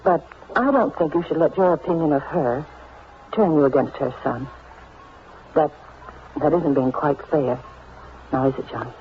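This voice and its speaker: An actress playing a gentle, sensible, motherly sweetheart in a radio soap, soothing and a little halting, full of endearments. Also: sits low. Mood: earnest. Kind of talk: 1940s radio soap acting. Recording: muffled, noisy old radio recording.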